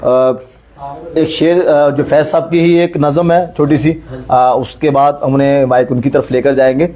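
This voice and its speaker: A man hosting an online poetry gathering, speaking in a formal, courteous and halting way. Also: mid-range voice, fairly even intonation, mellow. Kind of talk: live event hosting with appreciative interjections.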